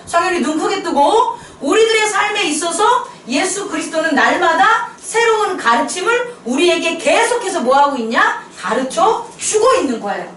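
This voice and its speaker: A woman preaches a sermon in a small church, her voice very high and animated as she keeps turning questions to the congregation. She slips English phrases in among her words. The sound is roomy and echoey, and she is a little way off the microphone. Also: a little hiss or hum. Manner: lively questioning of listeners, mixes English phrases. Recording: echoey room, voice a bit far from mic.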